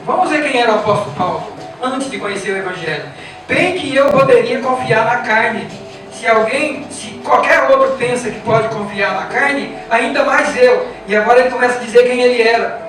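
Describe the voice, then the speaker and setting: Brazilian pastor preaching, lots of repeating and questions to the crowd, voice far off in a big echoey church. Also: male voice, extremely high pitch, normal speed, background noise. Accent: Brazilian Portuguese. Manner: emphatic, repetitive, asks the congregation rhetorical questions. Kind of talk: sermon. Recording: echoey church from afar with music.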